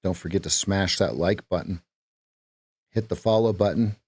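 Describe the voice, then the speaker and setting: A man's voice: deep voice, moderate pace, darkish tone, slightly rough, no echo. A man hosting a live day-trading stream, chatting with viewers and repeating phrases as he watches the market.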